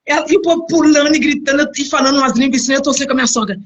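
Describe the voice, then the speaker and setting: A middle-aged woman from Brazil speaks as a pastor sharing her testimony. Her voice sits high. She tells the story with animated energy, slipping into the voices of the people she quotes. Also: rapid-fire, muffled recording, slight background noise. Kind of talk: personal testimony.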